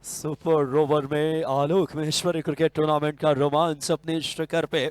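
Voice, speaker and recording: Male cricket commentator, Hindi accent, fairly high, smooth dry voice, excitable play-by-play. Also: normal speed, no echo. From India. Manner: excitable, rising sharply on big shots. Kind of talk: live sports commentary.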